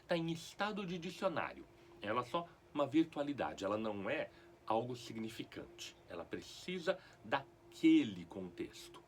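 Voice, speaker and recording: Brazilian man, middle-aged, lecturing on poetry; slow pace, lively pitch, faint hiss behind. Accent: Brazilian Portuguese. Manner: lively, expressive, slow and deliberate. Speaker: literature lecturer. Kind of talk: explanatory talk on poetry.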